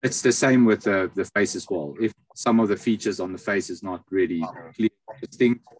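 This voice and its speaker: Male interview guest, low voice, explanatory, halting phrasing, on a video call. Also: rough recording. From South Africa. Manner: halting, pausing often mid-phrase. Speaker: interview guest, astrologer and palm reader.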